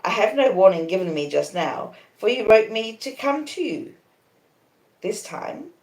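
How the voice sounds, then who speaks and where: In an echoing room, a woman voices a lovesick young gentleman from a storybook, with an Australian accent. He is earnest and questioning, anxious yet restrained. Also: mid-range voice, big pitch swings, a little slow. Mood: hurt, eager. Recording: roomy, echoing conservatory sound.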